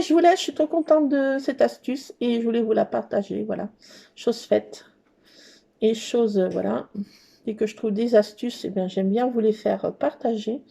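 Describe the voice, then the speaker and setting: A woman's voice: fairly high pitch, gravelly, dark tone. A woman hosting a scrapbooking channel, chatting casually and gushing as she works at a craft table and talks to herself along the way. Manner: bubbly, gushing. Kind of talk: casual craft tutorial chat.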